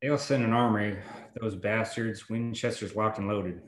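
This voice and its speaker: A man's voice: fairly low pitch, steady tone, unhurried, echoey room, natural voice. A man reading the part of a blunt, defiant man leading strike plans, with some cursing, at a table read. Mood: determined.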